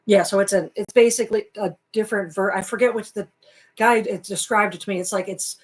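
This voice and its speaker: A calm woman co-hosts a relaxed livestream and explains things at length in an easy, wandering way. Her voice has an ordinary middle pitch for a woman. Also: a little fast. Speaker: livestream co-host. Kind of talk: casual livestream chat.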